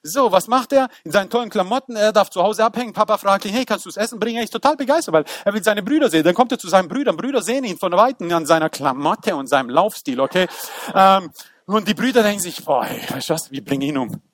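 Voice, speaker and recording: High-voiced, lively, casual preacher. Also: male voice, quick pace, no echo, clean studio sound. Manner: animated storytelling with acted-out voices; informal, slangy, talks to the listeners directly. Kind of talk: sermon.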